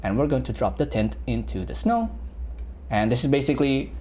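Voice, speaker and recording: A man's voice: mid-range voice, big pitch swings, fairly quick, darkish tone, slight background noise. A young man from Indonesia teaching visual effects on a livestream, talking casually with lots of fillers and self-corrections. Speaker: VFX artist teaching a livestream. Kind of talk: live screen-share software tutorial.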